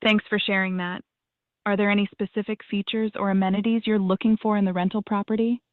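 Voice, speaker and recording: A synthetic woman's voice answering calls as a receptionist, polite, even and formulaic. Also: mid-range voice, quick pace, dry recording. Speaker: AI phone receptionist. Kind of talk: scripted phone answering. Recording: dry tinny phone line.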